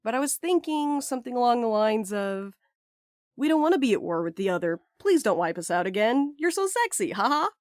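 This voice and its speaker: An actor plays a sardonic young postmaster in a naturalistic audio drama. The talk is casual and stubborn, full of wry deflection. The voice sits at a middle pitch in a very dry recording. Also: big pitch swings, a little fast, dry recording, close to an everyday voice. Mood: sardonic, flustered.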